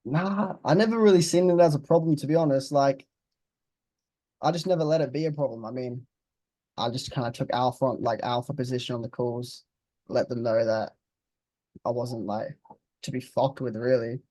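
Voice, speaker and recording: A young man of about twenty chats in a relaxed, blunt way, swearing now and then. His voice is mellow and warm, and the recording sounds dry and close. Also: mid-range voice, moderate pace, no echo. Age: 20s. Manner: laid-back, blunt, swears casually. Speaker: interviewed client. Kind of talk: casual interview chat.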